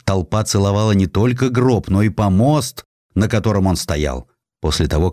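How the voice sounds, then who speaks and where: An audiobook narrator with a deep male voice tells a historical sketch, his intonation swinging widely to give the scripted story a dramatic, expressive shape and voicing the quotations. The recording is very dry, with almost no room sound and no echo.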